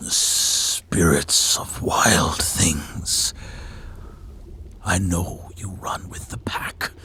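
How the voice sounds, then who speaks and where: Using a put-on character voice, a man speaks at a very slow pace with a very deep, low pitch. Long, frequent pauses break it up, and clear background noise is present. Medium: actual play. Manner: earnest, solemn.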